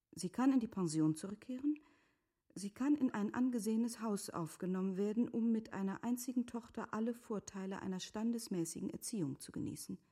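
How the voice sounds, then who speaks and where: In a literary radio drama, an actress portrays a composed, earnest middle-aged wife, delivering formal lines in a breathy, often hushed way. Her mid-range female voice is only lightly acted, and the mood stays measured and earnest.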